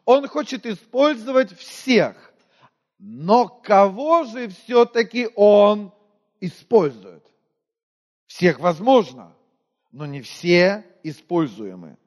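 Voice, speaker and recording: A preacher from Moldova with a high voice for a man, talking through his sermon like a conversation. He quizzes the congregation and often sinks to a near-murmur. His words ring out with a long hall reverb. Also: big pitch swings, slow pace. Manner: conversational, asks the congregation questions, often drops to a quiet voice.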